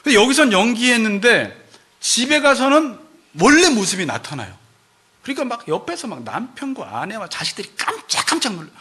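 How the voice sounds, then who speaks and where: A man preaching from the pulpit with a high, bright, lively voice that swoops up and down. He is animated and often drops into little acted-out voices of churchgoers to make his point. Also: brisk, slightly rough. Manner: animated, acts out congregants' voices in quotes. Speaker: pastor. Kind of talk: sermon.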